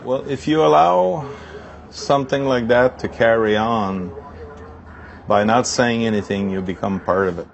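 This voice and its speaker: A bus driver in a news interview, firm and plain-spoken. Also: male voice, mid-range voice, a little slow, gravelly. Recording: dull lo-fi with faint noise.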